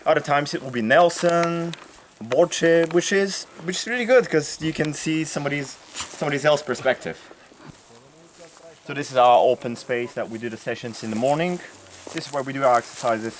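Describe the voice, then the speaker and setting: A young man from Bulgaria speaking English with a Bulgarian accent, casually showing a visitor around outdoors, relaxed with many fillers and restarts. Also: a little high, moderate pace, a little hiss or hum. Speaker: volunteer giving a tour. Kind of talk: casual explanatory tour. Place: outdoors in a rural garden and field.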